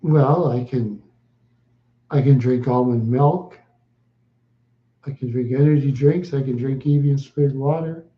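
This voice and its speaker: A man chatting slowly with viewers on a live stream, answering in short, halting phrases and often repeating himself. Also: mid-range voice, reverberant, highs cut off. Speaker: livestreamer.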